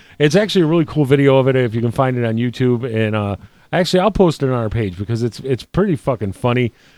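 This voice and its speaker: In a plain, everyday voice, a man talks at a fairly quick pace and a medium pitch. His intonation is lively. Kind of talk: radio dj patter: live internet radio banter with crude jokes, song intros and station IDs. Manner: loud, fast, profane and joking, laughing mid-sentence, hyped up when plugging songs; casual, bantering, riffing with co-hosts and callers.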